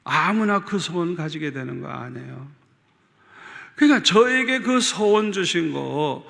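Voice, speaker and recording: A man's voice: high voice, vocal fry, pushed and bright. A man preaching as a pastor in a church, telling his story with feeling and many repetitions, calling out to the congregation. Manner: calls out to the congregation. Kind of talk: sermon. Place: large church sanctuary. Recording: long hall reverb of a church.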